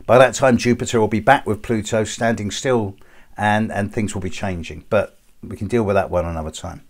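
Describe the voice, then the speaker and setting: A man's voice: lowish voice, steady tone, a little fast. A middle-aged man, an astrologer, chatting casually to his viewers and telling jokes with relish. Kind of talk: casual chat to camera.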